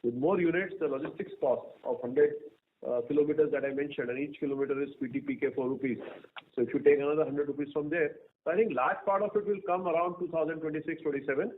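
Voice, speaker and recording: A man with an Indian accent speaking as a company executive, answering analysts in a halting way and repeating words. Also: fairly high pitch, slight background noise. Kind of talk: answering analysts on an earnings call. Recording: narrow tinny phone-line sound.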